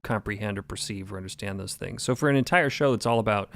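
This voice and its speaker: Measured man, close dry sound. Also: fairly low pitch, gravelly, fairly bright tone, no echo. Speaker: podcast co-creator, panelist. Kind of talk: reflective roundtable discussion.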